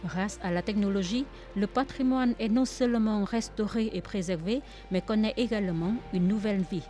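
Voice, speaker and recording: A woman's voice: mid-range voice, moderate pace, warm tone. Woman reading news over music. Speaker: news narrator and interviewer. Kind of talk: scripted news narration. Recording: voice-over with clear music behind.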